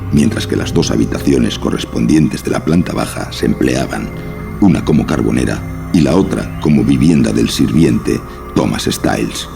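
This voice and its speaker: A man's voice: extremely low pitch, creaky. A man narrating a scripted horror story over music. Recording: music behind the voice.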